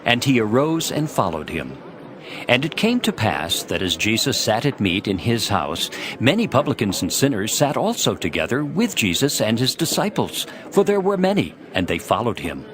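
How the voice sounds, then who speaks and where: A man's voice: medium pitch, very animated, normal speed, a bit bright. A man narrating a dramatized scripture reading from a script. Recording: music behind the voice.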